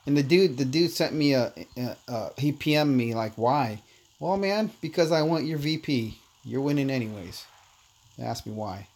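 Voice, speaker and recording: A man's voice: medium pitch, lively intonation, normal speed, a little mellow. A man born in Korea, first language Korean, casually chatting with viewers while streaming a mobile game. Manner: laid-back, chatty, calls viewers "man", reads chat aloud. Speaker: livestream host. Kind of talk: casual gameplay livestream chat.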